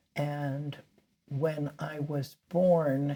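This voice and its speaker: Music plays in the background as a woman speaks. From US West Coast, Los Angeles area. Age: 80s+. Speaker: minister and spiritual director. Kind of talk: personal interview, life story.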